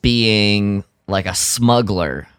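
A man co-hosting a podcast in casual chat, thinking aloud in loose, halting phrases. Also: fairly low pitch, a bit bright, clear, resonant tone, no room sound, studio quality. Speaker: podcast co-host.

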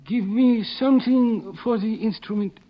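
High-voiced, servile frightened foreign henchman. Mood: deferential, explaining. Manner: deferential, halting broken English. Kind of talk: 1950s radio drama acting. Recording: dull lo-fi old radio recording.

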